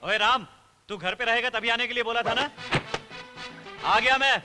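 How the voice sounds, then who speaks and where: A man's voice: very high voice, normal speed, big-room sound. An actor dubbing a swaggering, taunting older hero in a film, talking down to his enemies. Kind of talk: Hindi film dub. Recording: film soundtrack with loud music.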